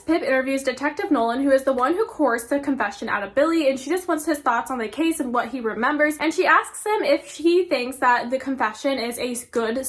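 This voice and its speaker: Brief: young woman, high bright voice, book vlogger, chatty and exasperated, breezy recap. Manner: chatty, exasperated asides, acts out characters' quotes. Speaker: book reviewer. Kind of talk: casual spoiler plot summary.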